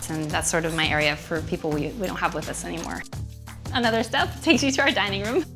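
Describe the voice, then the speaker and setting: A woman from Hawaii gives a casual tour of her home, chatting warmly and laughing often as she wanders between thoughts. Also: fairly low pitch, quick pace, vocal fry. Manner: chatty and warm, laughs often, drifting tangents. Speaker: homeowner giving a house tour. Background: music.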